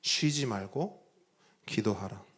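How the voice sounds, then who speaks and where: Animated male pastor preaching a sermon. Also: takes it slowly, husky. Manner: preaching with rhetorical questions to the congregation; swings between soft, low phrases and loud, high-pitched emphasis.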